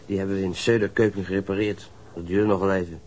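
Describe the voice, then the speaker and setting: A man's voice: low voice, flat delivery, fast talker, a little mellow. An actor playing a surly, defensive young male ship's stoker in a radio crime drama, coarse and sullen, stammering when riled. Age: young adult.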